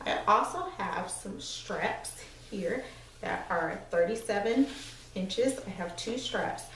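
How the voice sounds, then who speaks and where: A woman in her thirties, slightly hoarse, giving a relaxed, chatty sewing tutorial while working at an ironing board in a small room. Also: medium pitch, a little hiss or hum. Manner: relaxed, chatty step-by-step explaining with fillers. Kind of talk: casual craft tutorial. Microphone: far camera. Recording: echoey room, mic far off.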